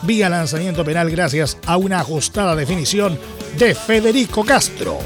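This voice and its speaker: Chilean male sports radio host, high voice, news-style presenting over a light music bed. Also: expressive, normal speed. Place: radio studio. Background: faint music.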